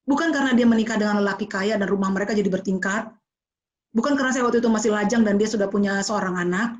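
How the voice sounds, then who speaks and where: A woman giving a motivational talk to students, expressive and slipping into English phrases. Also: medium pitch, fast talker, low-quality recording. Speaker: motivational speaker.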